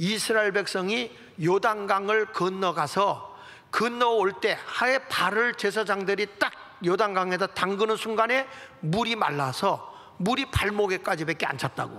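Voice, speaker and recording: A man's high-pitched, raised and projected voice at very even loudness, with noticeable background noise. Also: ordinary pitch variation. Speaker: pastor. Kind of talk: sermon. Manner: fast; animated.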